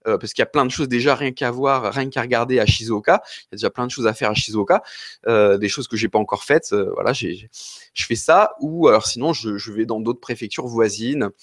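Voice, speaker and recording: Man from France, live Q&A host, rambling and hesitant, slightly ill, mid-pitched, dry close sound. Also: fairly quick, a bit bright, dry recording. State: slightly ill, occasional cough. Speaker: host answering viewer questions. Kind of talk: live-stream Q&A chat.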